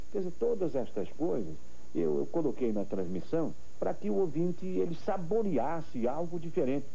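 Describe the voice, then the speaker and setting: With noticeable background noise behind him, a man talks at a fairly quick pace in a fairly high pitch that swings very widely. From Brazil, São Paulo state. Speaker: radio football commentator. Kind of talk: interview answer.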